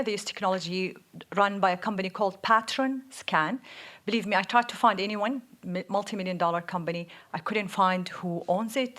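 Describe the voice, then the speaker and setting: A woman with an Arabic accent, co-hosting a live podcast on stage, speaking in an energetic, outspoken way and laughing often. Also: medium pitch. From Saudi Arabia. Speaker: podcast co-host. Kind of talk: live podcast panel talk.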